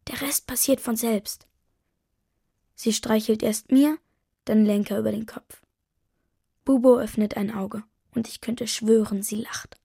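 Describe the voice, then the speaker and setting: A husky, slightly high-pitched woman reads a children's story aloud with gentle liveliness. She gives the characters small voices of their own. The sound is close and dry, with no room echo. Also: fairly even intonation, measured pace, long pauses. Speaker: narrator.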